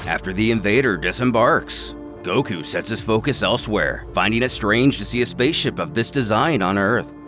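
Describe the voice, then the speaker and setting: A man's voice: on the low side, expressive, normal speed. A man delivering scripted, dramatic narration of a story. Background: music.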